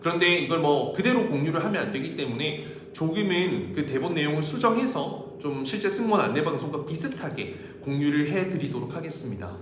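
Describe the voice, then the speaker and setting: The recording has a clear room echo and a faint layer of noise. A man speaks to viewers as a coach, polite and explanatory. His intonation is highly animated as he walks through his advice point by point. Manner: polite, explanatory, step-by-step delivery. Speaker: job interview coach and host. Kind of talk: instructional talk to viewers.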